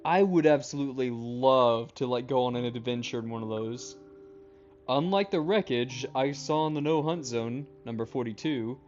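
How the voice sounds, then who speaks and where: A man streaming a game, reading its text aloud and adding excitable, jokey commentary. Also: medium pitch. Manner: jokey, excitable, quick asides. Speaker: gaming streamer. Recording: muffled, game music behind.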